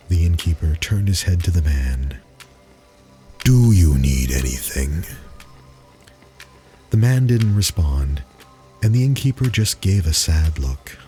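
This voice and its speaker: A man giving a dramatic reading of a spooky story, deliberate and suspenseful, with dramatic pauses. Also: low voice, dark tone.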